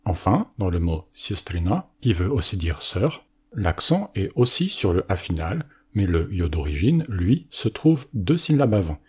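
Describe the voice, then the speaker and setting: A man with a very low, husky voice narrates a scripted language lesson. His pitch moves lively up and down while the tone stays mellow and dark, in a clear, explanatory teaching manner.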